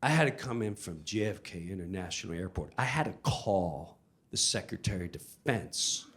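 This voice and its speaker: A man's voice: sits low, animated, moderate pace, a bit bright, voice pushed down. A man playing an intense, menacing federal agent with a stern, intimidating delivery, on stage before an audience. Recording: live comedy club, audience noise.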